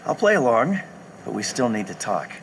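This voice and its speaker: A man's voice: mid-range voice, sing-song, moderate pace, gravelly, a little hiss or hum. A wry, easygoing young man. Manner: good-humored, wry.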